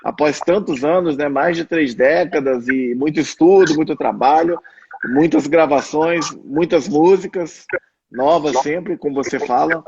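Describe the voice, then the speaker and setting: Higher-voiced Brazilian man hosting, dull audio. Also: measured pace, darkish tone. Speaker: interviewer, host. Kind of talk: casual online interview. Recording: dull, lightly noisy online connection.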